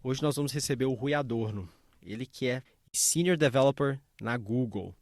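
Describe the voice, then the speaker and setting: A man's voice: mid-range voice, normal speed, soft background music. A man hosts a podcast in an upbeat, friendly tone, asking open questions with a mid-range male voice. The sound is dry and close, with no room echo. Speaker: podcast host. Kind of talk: podcast interviewing.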